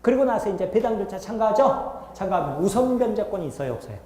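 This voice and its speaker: A man's voice: high voice, very animated, fast, dark tone. A man teaching a law class, explaining step by step and often checking in with the students. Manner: asks the class frequent check-in questions. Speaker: law lecturer. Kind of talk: classroom lecture. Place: lecture hall. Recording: roomy echoey lecture hall.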